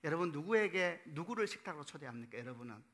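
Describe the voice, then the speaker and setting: A middle-aged male pastor delivers a sermon in a church, his voice bright and slightly higher than most men's. He talks to the congregation in an easy storytelling way, posing questions and laughing at his own anecdotes. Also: animated, fast talker. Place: church sanctuary.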